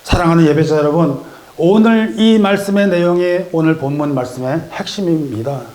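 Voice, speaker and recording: A middle-aged man with a fairly high voice preaches to his congregation. He tells a story by acting out its characters' lines in different voices, then turns it into his sermon. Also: normal speed, a little mellow. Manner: storytelling with acted dialogue voices. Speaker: pastor. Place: church sanctuary.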